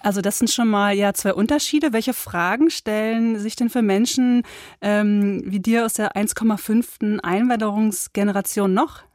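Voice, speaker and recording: A woman hosting a radio show, introducing her guest and asking long, measured questions. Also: mid-range voice, a little mellow, no echo, studio quality. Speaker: radio host. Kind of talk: radio interview.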